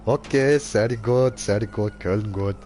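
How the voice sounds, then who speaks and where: A man's voice: lowish voice, slow, warm tone, faint music behind. A man giving casual live gaming commentary in clownish, slangy broken grammar, as a streamer. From Switzerland. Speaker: game streamer.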